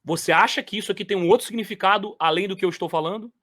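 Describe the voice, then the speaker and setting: A man's voice: high-pitched, racing, bright, forceful tone, soft background music. A man giving commentary on lecture clips. He talks straight to his viewers, stressing and repeating phrases.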